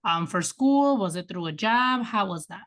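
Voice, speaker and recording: A woman's voice: medium pitch, expressive, moderate pace, fairly bright tone, no room sound, studio quality. A woman hosting an interview podcast, addressing listeners and guests.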